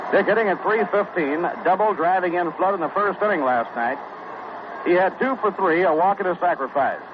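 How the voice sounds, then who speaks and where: Heard through the tinny, noisy sound of a 1960s AM radio broadcast, a male announcer delivers brisk, even-toned baseball play-by-play. Between pitches he reads out stats.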